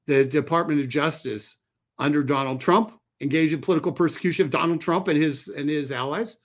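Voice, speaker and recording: A man talking straight to camera as a political commentator, emphatic and repeating key phrases. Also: on the high side. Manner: emphatic, repeats phrases, reads quotes aloud. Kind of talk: solo commentary video.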